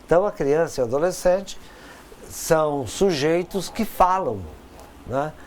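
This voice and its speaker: A man giving a recorded course lecture in a conversational way, with frequent tag questions, pauses and repeated words. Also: fairly high pitch, lively intonation, a little mellow, slight background noise.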